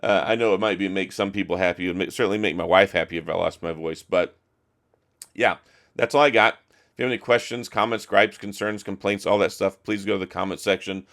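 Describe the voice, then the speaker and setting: A middle-aged man with a hoarse, strained voice, chatting casually and with strong opinions as he reviews a phone to camera. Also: sits low, fairly even intonation, a little fast, a bit bright. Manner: chatty, opinionated, frequent restarts. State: hoarse, losing his voice. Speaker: tech reviewer.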